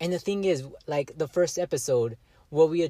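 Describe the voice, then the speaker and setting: Over a very clean recording with a silent background, a man talks in a plain, everyday voice with ordinary pitch variation. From Mexican-American family, USA. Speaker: self-help podcaster. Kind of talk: motivational monologue. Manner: earnest, reflective.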